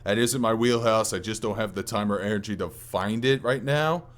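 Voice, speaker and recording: Talking at a normal speed in a voice on the low side, this man hosts a gaming podcast in casual conversation. His delivery wanders and hesitates, with frequent mid-sentence self-corrections.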